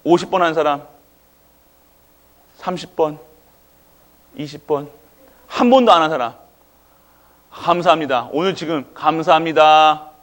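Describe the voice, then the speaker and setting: A man's voice: fairly high pitch, lively intonation, moderate pace, long pauses. Man preaching with call-and-response questions. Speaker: pastor. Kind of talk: sermon. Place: church.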